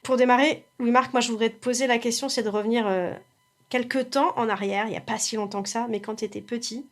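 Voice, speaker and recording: A woman's voice: on the high side, steady tone, fast. A woman hosting an interview podcast, chatting casually with many fillers and speaking straight to the listener. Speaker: podcast host.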